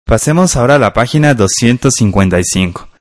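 Guy teaching a radio grammar class, dry close sound, calm and encouraging. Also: medium pitch, fast talker, dry recording, soft background music. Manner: calm and encouraging, asks confirming questions. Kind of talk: scripted radio grammar lesson.

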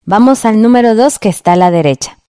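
A woman teaching a radio lesson in a clear, patient way, checking in with the listener. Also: mid-range voice, a little fast, dark tone, no room sound, clean studio sound. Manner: clear, patient, asks ¿verdad?.

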